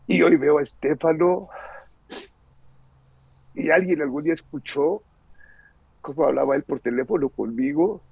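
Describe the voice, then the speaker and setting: A man's voice: lowish voice, vocal fry, breathy edge, dry recording. A middle-aged man with a Mexican accent, giving an earnest, emotional personal testimony in conversation. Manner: earnest, emotional storyteller who acts out the voices in his story. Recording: dull lo-fi recording.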